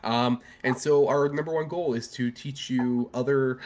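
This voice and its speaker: A man's voice: mid-range voice, steady tone, moderate pace, a little mellow, a little hiss or hum. A man on a headset, a guest chatting about his podcast and games. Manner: chatty, plugging his show. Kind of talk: casual chat.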